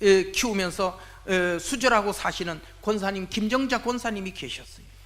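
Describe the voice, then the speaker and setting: Male speech pitched high, moderately paced, with ordinary pitch variation amid noticeable background noise. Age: 60s. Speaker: church elder giving testimony. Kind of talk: testimony. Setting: church.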